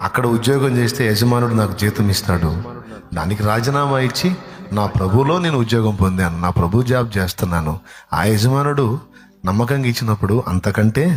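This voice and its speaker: A man preaching a sermon, acting out scolding relatives in a dramatic voice that swings between loud anger and soft replies. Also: fairly low pitch.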